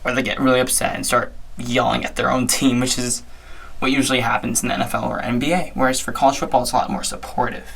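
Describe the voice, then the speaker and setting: Young guy doing a solo sports podcast, hoarse, gravelly, chatty, keeps restarting. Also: medium pitch, flat delivery, fast talker, a bit bright. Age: young adult. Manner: chatty and upbeat, with frequent restarts. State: hoarse, strained voice. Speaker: podcast host. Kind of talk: casual solo sports talk.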